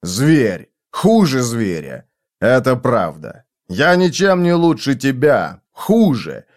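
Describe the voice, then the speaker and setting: A man's voice: mid-range voice, big pitch swings, takes it slowly. A man voicing a tormented, scarred man torn between love and rage in a dramatic audiobook reading, with anguished outbursts. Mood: bitter.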